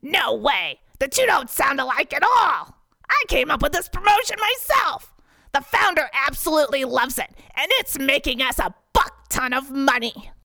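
A man voicing a self-assured woman executive who talks loudly and emphatically. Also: very high voice, measured pace, creaky, hardly any pauses, pitched above the performer's own voice, full character voice, low-quality recording. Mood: dismissive.

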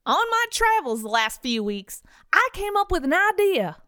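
Brief: Southern cowboy pizza tycoon, high bright folksy drawl, set back from the mic. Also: male voice, normal speed, exaggerated voice. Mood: confident. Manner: folksy drawl, calm authority. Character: confident male cowboy pizza company founder. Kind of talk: narrated comedic audio story.

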